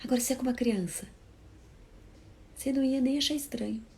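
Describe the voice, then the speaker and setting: A woman talking casually to her viewers about parenting, lively and expressive, acting out everyday phrases in her own voice. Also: brisk, gravelly. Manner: expressive, acts out quoted lines in higher voices. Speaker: parenting educator. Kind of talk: casual talk to viewers, live stream.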